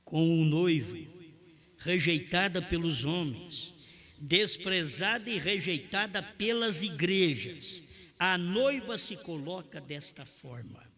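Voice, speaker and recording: A man with a Brazilian Portuguese accent preaching a sermon, swinging from shouted lines to quiet ones. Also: high voice, lively intonation, takes it slowly.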